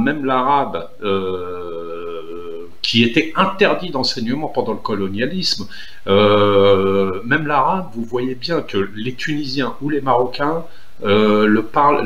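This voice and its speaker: A man from Algeria talks earnestly in a loose monologue, often pausing on fillers and restarting his sentences. His voice sits low, and the room around him is echoey. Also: a bit bright. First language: Algerian Arabic (Derja). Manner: hesitant, many ums and restarts, earnest. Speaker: political commentator. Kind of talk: casual monologue video.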